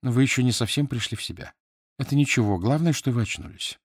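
A male reader voicing an earnest young girl disguised as a boy, speaking quickly and anxiously in a raised voice. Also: mid-range voice, animated, husky, dry recording, clean studio sound. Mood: reassuring.

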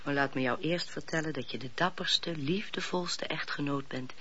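A woman playing an emotional married lady of the house in a radio drama, expressive, urgent and tender. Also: deep voice, normal speed. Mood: tender, pleading. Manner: expressive, switches between commands and soothing. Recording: muffled old radio recording with noise.

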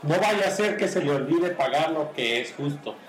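A man plays a prim, upright gentleman in a homemade radio drama. He is stiffly formal and politely indignant, with a slightly high voice. The recording echoes in a roomy space. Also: lively intonation, moderate pace, natural voice. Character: prim, courteous male gentleman of justice. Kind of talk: amateur radio drama acting. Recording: roomy echo.

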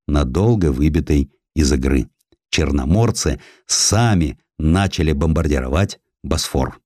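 A man with a low voice reads history as an audiobook narrator. His delivery is theatrical and expressive, with wide swings of intonation. The recording is close and dry. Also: no room sound. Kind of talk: dramatic scripted narration of historical essay.

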